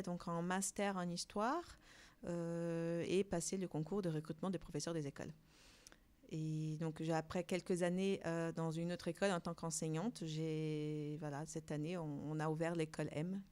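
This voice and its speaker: A woman who directs a bilingual preschool answers interview questions, pausing often with fillers and restarts. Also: fairly low pitch, a little mellow, smooth. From outside Europe. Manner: hesitant, many fillers and restarts.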